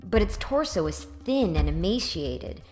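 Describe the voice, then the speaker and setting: A woman's voice: on the low side, sing-song, measured pace, darkish tone, soft background music. A young woman playing a sardonic, weary twenty-something who narrates an audio drama in a dry, conversational way. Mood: descriptive, uneasy. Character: wry, weary, sarcastic 24-year-old woman narrator. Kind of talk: first-person audio drama narration and dialogue.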